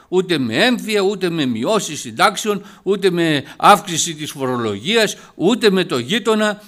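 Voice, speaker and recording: A man preaching a sermon, lively and rising to loud emphatic passages. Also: fairly high pitch.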